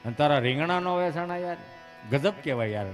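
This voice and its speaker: A man telling folk comic stories, chatty and animated, switching quickly between characters. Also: on the high side, faint music behind. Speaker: comedian, storyteller.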